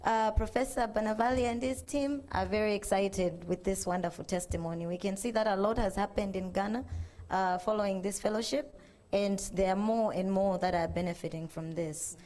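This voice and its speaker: A woman's voice: medium pitch, steady tone, moderate pace, a little mellow. A woman moderating a conference session, thanking speakers and calling up the next.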